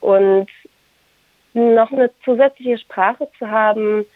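A young woman, a Ukrainian native speaker from Germany, giving thoughtful interview answers as a singer and violinist, pausing to search for words. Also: fairly high pitch, no room sound. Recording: dry, tinny phone-like line.

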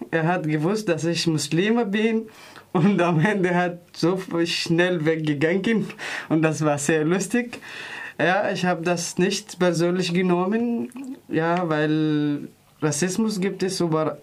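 Slow, deliberate man from Sudan. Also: sits high. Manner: slow and deliberate, with simple phrasing. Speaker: interview guest. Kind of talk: casual personal account.

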